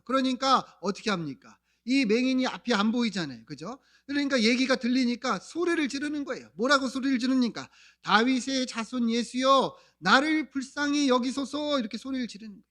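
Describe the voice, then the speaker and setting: High-pitched pastor guy preaching, talks right to the crowd, lots of questions, acts out the cries dramatically. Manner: dramatic retelling, voicing cries with rising intensity; addresses congregation directly, frequent rhetorical questions. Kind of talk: sermon.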